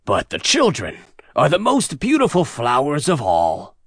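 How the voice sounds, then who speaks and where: A man voicing a gentle, fiercely protective giant in a fairy tale, with slow, drawn-out, emphatic words. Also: medium pitch, huge pitch swings, no room sound, studio quality, heavily acted. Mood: tender, wistful. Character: gentle giant, male, huge, big-hearted, fiercely protective. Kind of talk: storybook character voice in narrated fairy tale.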